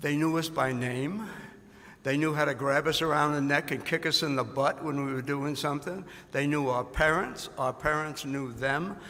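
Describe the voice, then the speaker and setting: The speaker has a slight Brooklyn accent and fairly even intonation. The pace is moderate. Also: man, fairly high pitch for a man. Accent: slight Brooklyn New York. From New York, Brooklyn. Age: 80s+. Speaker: mayor. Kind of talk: panel discussion. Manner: halting, many restarts.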